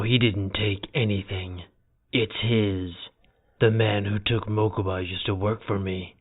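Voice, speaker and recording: A man's voice: on the low side, breathy edge. A man playing a tense, commanding young chief executive in an audio drama. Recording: thin, phone-like sound.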